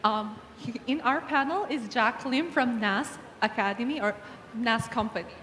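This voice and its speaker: An upbeat woman from the Philippines hosts a panel on stage, her voice sitting high. She speaks in a large hall with a long reverb tail. Faint ambience hums behind her. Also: a little slow, a bit bright, slight background noise. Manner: upbeat, welcoming. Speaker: panel moderator. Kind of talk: live panel moderation.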